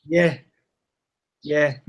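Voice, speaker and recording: A man calls into a live stream and chats with easy humor. His voice sits a little higher than most men's. He keeps the tone light and upbeat. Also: fairly even intonation, very slow. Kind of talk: casual chat.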